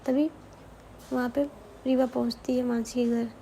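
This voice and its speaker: A woman telling a love story in a casual, chatty way, with asides to the listener and quick self-corrections. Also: on the high side, flat delivery, warm tone, a little hiss or hum.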